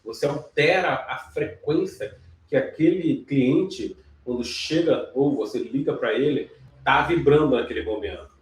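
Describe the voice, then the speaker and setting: A man's voice: medium pitch, a little slow. A man teaching real estate agents sales technique, explaining step by step and checking in often with short questions. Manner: explanatory, frequent check-ins like "ok?" and "certo?", some restarts. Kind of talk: sales training lesson. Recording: echoey room, voice from some distance.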